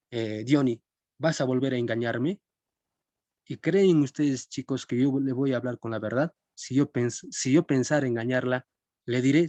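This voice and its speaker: Mellow-voiced man teaching a class. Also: medium pitch, no echo. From Peru. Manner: conversational, checks in with students often. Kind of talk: live-streamed philosophy class.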